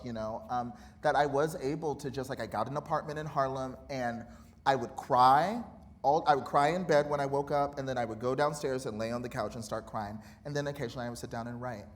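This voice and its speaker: A man in his thirties, an author guest in a live interview, talking candidly and animatedly, laughing often and acting out remembered conversations. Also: medium pitch. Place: college auditorium. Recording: reverberant hall with faint noise.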